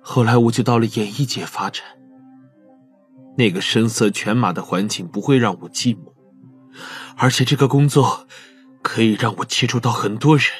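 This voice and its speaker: An actor playing a bitter, lovelorn man in an audio drama, confessing haltingly and emotionally. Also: mid-range voice, soft background music, close to an everyday voice. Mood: sorrowful.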